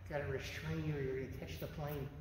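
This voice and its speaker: A man's voice: fairly high pitch, flat delivery, fast talker, noisy background. A man standing off camera in a large gym, talking to a small child in a teasing, playful way. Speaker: onlooker with a child. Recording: distant voice, echoey hall, loud ambience.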